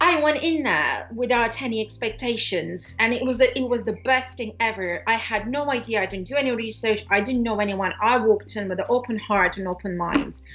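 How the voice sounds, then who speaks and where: Fairly quick speech with hardly any pauses from a woman with a Turkish accent, fairly high in pitch with ordinary variation, over noticeable background noise. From Turkey. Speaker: life and relationship coach. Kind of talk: interview. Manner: halting, many fillers.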